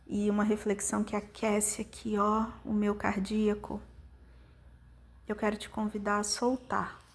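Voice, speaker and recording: A Brazilian woman hosting a podcast, telling a personal story in an intimate, reflective way with many pauses. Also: medium pitch, monotone. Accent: Brazilian Portuguese. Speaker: podcast host.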